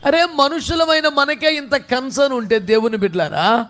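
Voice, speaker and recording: High-pitched fervent Telugu pastor preaching. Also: male voice, normal speed. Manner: fervent preaching, swings from soft pleading to loud exhortation. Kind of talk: sermon.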